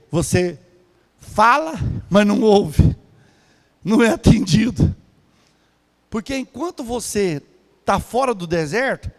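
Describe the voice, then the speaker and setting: A male pastor with a Brazilian Portuguese accent, preaching a sermon that swings between soft passages and shouting. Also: high voice. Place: large church hall. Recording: church hall with long reverb.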